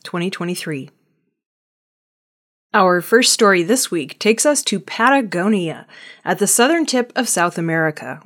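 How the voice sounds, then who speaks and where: A woman reading archaeology news headlines and stories in a measured, scripted newsreading style. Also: mid-range voice. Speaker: news reader.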